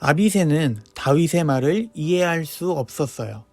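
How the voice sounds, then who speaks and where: A man preacher telling a Bible story to children in a gentle, lively storytelling way. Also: fairly high pitch, normal speed, soft background music.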